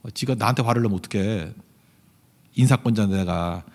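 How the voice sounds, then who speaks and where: A male pastor delivers a sermon during a church service, speaking conversationally and peppering it with rhetorical questions. He lurches between loud, emphatic lines and quiet asides, his voice lowish and his pace brisk.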